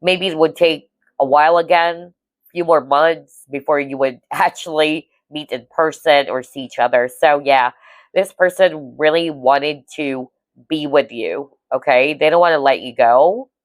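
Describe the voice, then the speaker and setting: A woman's voice: sits low, measured pace, dry recording. A woman giving a casual tarot reading to viewers, chatty and reassuring, often checking in with "okay?". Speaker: tarot reader.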